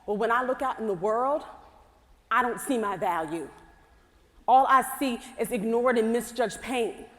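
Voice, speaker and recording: A woman's voice: a little high, measured pace, close to an everyday voice. A woman playing a hopeless, scarred woman. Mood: despairing. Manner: bitter, defeated, rising to defiant. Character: wounded, weary woman who has lost hope. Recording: reverberant hall.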